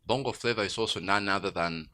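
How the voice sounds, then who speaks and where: Interviewed as a guest musician in a radio studio, a man from Tanzania talks fast in a lowish voice. He is reflective, growing emphatic when he gets excited.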